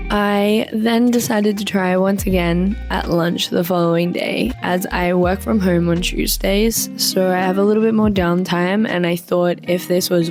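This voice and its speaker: Husky-voiced woman with a sore throat. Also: fairly low pitch. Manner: chatty, rambling, with soft laughs and ums. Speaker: vlogger. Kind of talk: casual chat to camera.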